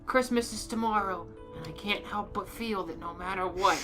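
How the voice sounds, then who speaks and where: A man's voice: high-pitched, moderate pace, voice pushed up, natural voice. A man voicing a scrawny, lovesick and creepy nerdy teenage boy with a nasal voice, in a comic story reading. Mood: lovesick, yearning. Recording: music playing under the voice.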